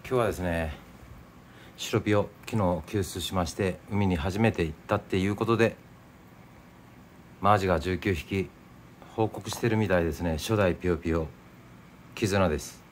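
Low-voiced man with a Nagasaki accent. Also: moderate pace, pauses often, slight background noise. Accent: Nagasaki dialect. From Nagasaki, Japan. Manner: easygoing, chatty, explains local words. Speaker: home food vlogger. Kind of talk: casual chat while eating and drinking.

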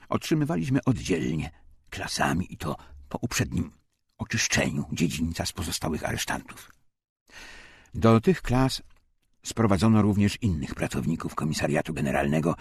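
A man reading a wartime memoir as an audiobook narrator, in a husky, gravelly voice. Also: low-pitched, no echo.

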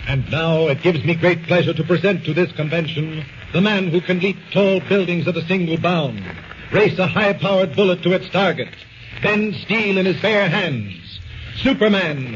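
High-voiced grand 1940s announcer man. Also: moderate pace. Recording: muffled, slightly noisy 1940s recording.

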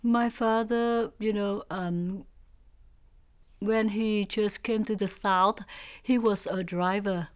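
A woman in her sixties from South Vietnam with a Vietnamese accent, recalling family history in an interview, halting as she searches for words. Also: mid-range voice, fairly even intonation, clear, resonant tone. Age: 60s. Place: indoor studio with backdrop.

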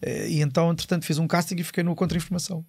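A middle-aged man with a European Portuguese accent, an actor telling animated stories as a guest on a casual podcast. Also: a little high, rapid-fire, vocal fry, husky, no room sound, clean studio sound. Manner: animated storyteller, jumps into voices.

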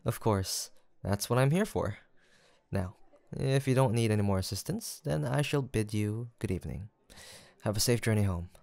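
A man playing a gentle, kindly young village apothecary in a soft roleplay audio drama, speaking politely and formally with attentive reassurance. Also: lowish voice, expressive, normal speed, vocal fry, no room sound. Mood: caring, courteous.

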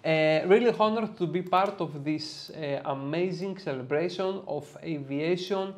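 A Greek-accented man in his thirties with a fairly high voice talks through a software lesson. He explains each step in a lively, chatty way, dropping in the odd filler as he goes. He is recorded on a lapel mic in a dim home studio. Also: unhurried. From Greece. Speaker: photo editing tutor. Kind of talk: screen-recorded software tutorial.

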